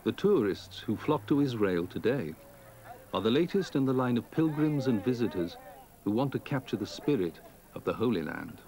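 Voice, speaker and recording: A man giving a measured, formal scripted narration for a documentary. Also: mid-range voice, big pitch swings, over a noisy crowd.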